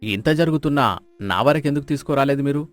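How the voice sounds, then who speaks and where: An actor playing an authoritative, concerned village elder. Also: male voice, mid-range voice, fairly quick, close to an everyday voice. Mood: stern, concerned. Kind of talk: moral storybook character voice. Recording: music behind the voice.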